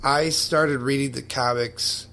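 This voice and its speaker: Slow, bright-voiced excited young man. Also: medium pitch. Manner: excited, profane, building enthusiasm. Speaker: podcast host. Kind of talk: casual podcast storytelling.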